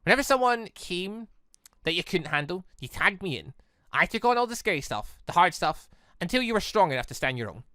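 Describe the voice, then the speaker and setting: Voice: mid-range voice, sing-song, fairly quick, sharp tone, dry recording, clean studio sound. A game commentator voicing a young warrior woman's bitter alter ego, mocking and accusing. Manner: taunting, accusing.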